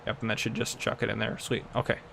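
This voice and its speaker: A man's voice: fairly low pitch, monotone, fast talker, vocal fry, a bit bright, slight background noise. A man in his twenties chatting casually while playing a farming game at home, rambling and laughing often. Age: 20s. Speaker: gaming channel host. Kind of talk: casual gameplay commentary. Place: home room.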